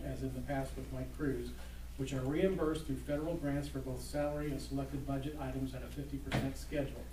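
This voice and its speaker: A man chairing a committee at a public county board meeting, reading a report aloud and then speaking firmly with some fillers. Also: fairly high pitch. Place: large echoey meeting room. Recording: echoey distant room audio with noise.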